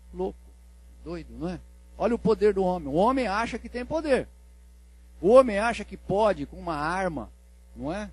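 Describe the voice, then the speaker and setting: A man's high-pitched voice with lively intonation, big swings in loudness, a moderate pace and long, frequent pauses. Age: 60s. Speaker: pastor. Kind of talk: sermon. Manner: halting.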